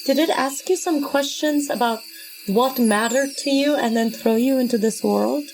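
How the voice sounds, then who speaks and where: Higher-voiced woman in casual role-play. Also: moderate pace, darkish tone, a little hiss or hum, rough recording. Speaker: tabletop game player.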